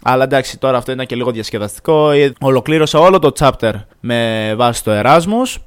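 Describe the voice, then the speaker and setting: A young man in his twenties from Greece, telling a funny story casually as a podcast host and acting out the quotes with sudden jumps in pitch. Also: clear, resonant tone.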